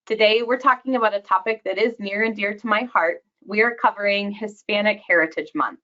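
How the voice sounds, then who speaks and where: A woman's voice: mid-range voice, brisk, pushed and bright. A woman hosting a webinar conversation, upbeat and welcoming to her guests. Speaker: webinar host. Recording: dull lo-fi audio.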